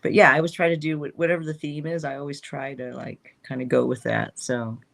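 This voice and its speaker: A woman's voice: a bass voice, fairly even intonation, a little fast, vocal fry. A woman guest chatting casually in an interview, rambling and trailing off, laughing often.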